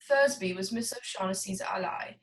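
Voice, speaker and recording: A woman's voice: mid-range voice, normal speed, natural voice. A woman playing a genteel, scheming male crime boss with pompous, formal, theatrical speech in a noir radio play. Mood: measured, explanatory.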